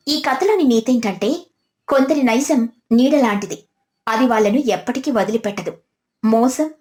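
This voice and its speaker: A woman reading a scripted moral story as the narrator. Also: a little high. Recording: background music under the voice.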